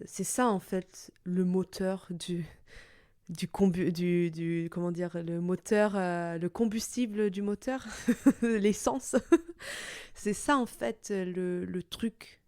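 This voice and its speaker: A young woman from Portugal, with an Italian accent and Italian as her mother tongue, talks through her thoughts in a personal podcast. Her voice is soft and warm, with no room sound around it, and her delivery stays thoughtful and a little searching, full of small pauses and restarts. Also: medium pitch, dry recording, studio quality. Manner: thoughtful, searching for words, frequent hesitations. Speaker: podcast host. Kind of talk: reflective personal monologue.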